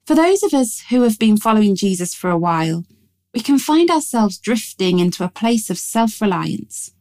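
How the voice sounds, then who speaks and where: A woman reading a scripted Christian devotional in a measured, reflective and reverent way. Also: mid-range voice, sing-song, mellow. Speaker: devotional reader. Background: music behind the voice.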